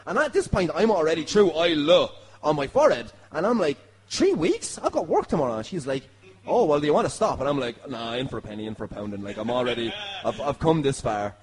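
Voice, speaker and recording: An Irish man hosting a podcast, telling a comic story to friends in a sweary, animated way. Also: on the high side, quick pace. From Ireland. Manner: animated, sweary, punctuated by laughter. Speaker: podcast host. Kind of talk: comic anecdote among friends.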